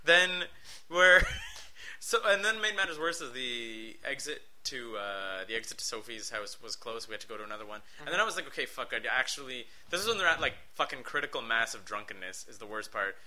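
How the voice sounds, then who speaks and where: A man's voice: mid-range voice, expressive, a little fast, pushed and bright. A man hosting a podcast, telling a story in casual chat, laughing and swearing a lot. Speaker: podcast host.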